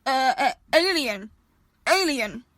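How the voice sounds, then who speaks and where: A woman playing a quick-thinking young woman who bluffs politely in an audio drama, careful and placating. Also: sits high, animated, a bit bright, no room sound, studio quality, exaggerated voice. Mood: nervous, bluffing.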